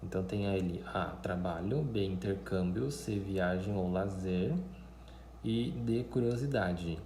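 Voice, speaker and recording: Native Mandarin speaker, male, fairly low and mellow, chatty teacher vlogging, echoey room with faint noise. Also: takes it slowly. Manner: chatty, many fillers and tag questions. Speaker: language teacher. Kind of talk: casual vlog talk to viewers.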